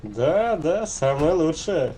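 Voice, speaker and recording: A man's voice: on the high side, big pitch swings, takes it slowly, a crowd in the background. A man playing along in an online role-play game, chatting casually and in character over voice chat.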